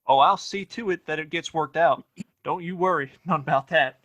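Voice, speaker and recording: Man as high-pitched, cocky Western sheriff. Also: moderate pace, a bit bright, lo-fi sound. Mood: menacing. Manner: folksy, rustic grammar. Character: cocky, threatening sheriff, boss's obedient son. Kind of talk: Western audio play acting.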